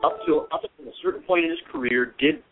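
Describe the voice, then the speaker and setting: A man co-hosting a podcast discussion, talking in rambling, halting stretches. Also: a little high, phone-quality sound. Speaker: podcast co-host.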